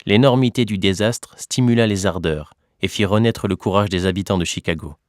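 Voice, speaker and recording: A man's voice: low-pitched, a little fast, dry recording, studio quality. A man reading scripted narration as a professional voice-over artist. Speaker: voice actor. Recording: music under the voice. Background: music.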